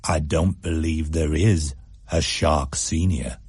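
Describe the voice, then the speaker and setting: A man reading a radio story, voicing a middle-aged father who grumbles in a low, sardonic way. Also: steady tone, slow pace, darkish tone, slightly rough, no room sound, exaggerated voice. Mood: grumbling.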